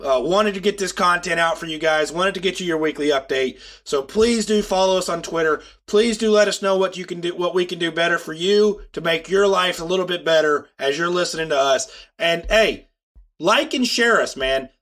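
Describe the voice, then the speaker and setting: A man co-hosting a podcast whose voice sits high for a man and sounds nasal and stuffed up from a cold. He talks in an earnest, upbeat way to his listeners. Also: normal speed, a bit bright. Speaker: podcast co-host. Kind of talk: casual podcast chat.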